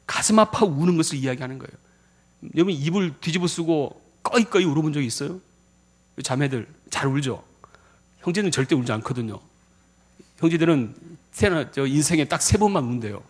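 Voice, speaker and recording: A man's voice: a little high, lively intonation, brisk, husky. A male pastor preaching a sermon in a church, asking the congregation questions. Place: church sanctuary.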